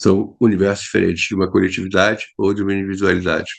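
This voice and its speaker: The man talking has a fairly low pitch. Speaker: heritage official and lecturer. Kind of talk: lecture.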